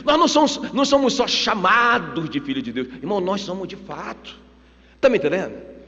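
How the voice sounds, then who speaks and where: A Brazilian man preaching a sermon in a church, lively and acting out voices while checking in with the congregation. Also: high voice, fairly quick. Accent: Brazilian Portuguese. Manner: animated, acts out voices and asks the congregation for agreement. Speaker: pastor. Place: church sanctuary. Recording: muffled church hall with long reverb.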